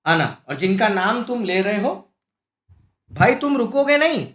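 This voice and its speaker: A man teaching a live-streamed exam-prep class, animated and scolding, full of rhetorical questions. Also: sits high, unhurried. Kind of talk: lively live-streamed lecture. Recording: echoey room.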